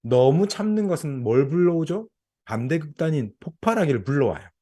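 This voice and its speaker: A man's voice: on the high side, sing-song, brisk, mellow. A middle-aged man giving a lecture to counselors, conversational and often checking in with the audience with questions.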